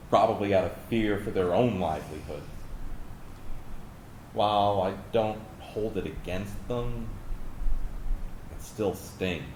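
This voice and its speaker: A man's voice: lowish voice, a little mellow. A man performing a wounded, resigned gay serviceman's reflective monologue in a staged reading, in an echoey room. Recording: echoey room, faint background noise.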